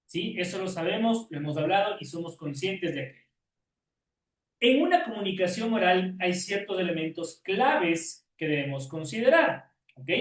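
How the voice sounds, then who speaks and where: A male teacher giving an online class lecture, often checking in with questions and calling on students by name. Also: high-pitched. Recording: roomy echo, distant from mic.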